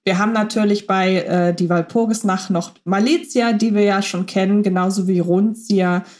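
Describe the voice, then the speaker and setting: A woman's voice: mid-range voice, fairly even intonation, moderate pace, a little mellow. Thoughtful woman co-hosting a fan podcast. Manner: thoughtful, checks notes and corrects herself. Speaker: podcast co-host. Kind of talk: casual fan podcast discussion.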